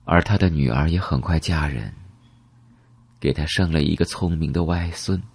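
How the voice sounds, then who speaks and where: Low, husky male audiobook narrator. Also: normal speed, a little mellow. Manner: emotive storytelling, first-person.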